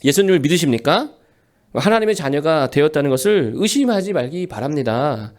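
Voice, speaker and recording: A man in his forties preaching a sermon as a pastor, emphatic and animated, asking rhetorical questions. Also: fairly high pitch, fairly quick.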